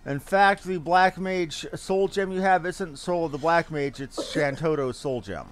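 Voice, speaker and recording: A man's voice: fairly high pitch, a little slow, slight background noise. A man giving casual commentary as he streams a game, sometimes muttering to himself.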